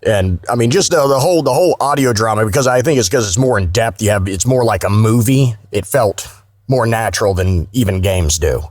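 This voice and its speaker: A man with a low voice chats casually as an interview guest on a podcast. He is candid and salty-tongued, and the sound is dry and close. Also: animated, brisk, a little mellow, no echo. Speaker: guest voice actor.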